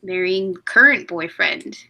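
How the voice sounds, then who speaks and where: A woman's voice: on the low side, measured pace, creaky, sharp tone, poor audio. A woman in her twenties hosting a casual live stream, rambling and laughing at herself. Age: 20s. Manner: giggly, rambling, self-mocking. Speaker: stream host.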